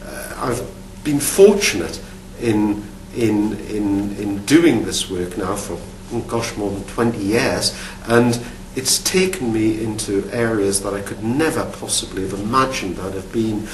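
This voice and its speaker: Answering interview questions to camera, a fiftysomething archaeology professor from Newcastle upon Tyne, England, speaks with a Geordie accent and a fairly low pitch at a measured pace. He's thoughtful, often restarting and repeating words. The setting is a studio with a dark backdrop, and the distant mic makes it roomy, with a faint hum.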